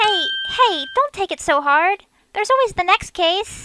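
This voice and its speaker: Squeaky and extremely high, this put-on character voice moves at a moderate pace. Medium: cartoon. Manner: bubbly.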